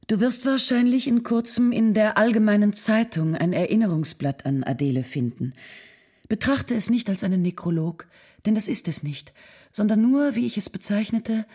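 A woman playing an earnest, tactful nineteenth-century lady, reading a letter in a measured, persuasive, formal way. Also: mid-range voice, mellow, husky, natural voice. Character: Ottilie von Goethe, earnest, tactful 19th-century lady writing condolences.

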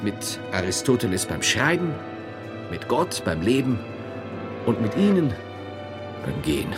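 Solemn, animated medieval monk philosopher. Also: male voice, fairly low pitch, unhurried. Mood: solemn, consoling. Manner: declarative, solemn, emphatic. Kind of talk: theatrical audio drama dialogue. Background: music.

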